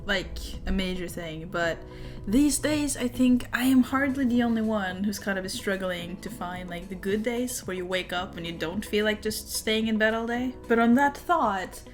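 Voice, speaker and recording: A woman's voice: mid-range voice, normal speed, faint music behind. A young woman with a Norwegian accent, a native Norwegian speaker, chatting casually in a show-and-tell vlog, rambling with many fillers. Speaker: vlogger.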